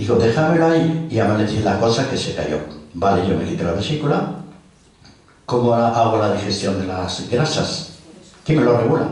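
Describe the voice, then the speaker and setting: Over noticeable background noise and audible room echo, a man at medium pitch talks at a moderate pace with lively intonation and long, frequent pauses. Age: 70s. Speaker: lecturer on health and nutrition. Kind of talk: informal talk with audience questions.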